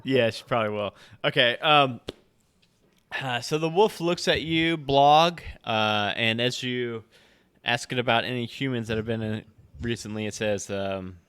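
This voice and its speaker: A man's voice: medium pitch, unhurried, a bit bright, clean tone, no echo. A man running a tabletop game as game master, narrating casually and thinking aloud with some hesitation.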